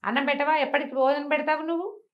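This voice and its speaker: A woman storyteller playing a tiny, impatient otherworldly lord in a folk tale, calling out loudly and demandingly. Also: sits high, steady tone, fast, lo-fi sound, pitched above the performer's own voice, lightly acted. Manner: loud, demanding shouting.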